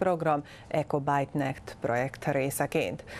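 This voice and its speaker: A woman at a fairly slow pace. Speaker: news anchor. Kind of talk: news reading. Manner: formal. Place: studio. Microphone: lapel.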